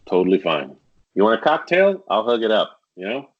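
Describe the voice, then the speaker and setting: A man talking candidly as a guest on a casual podcast, acting out sales pitches as he tells stories. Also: very animated, brisk, highs cut off. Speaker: podcast guest, real estate agent.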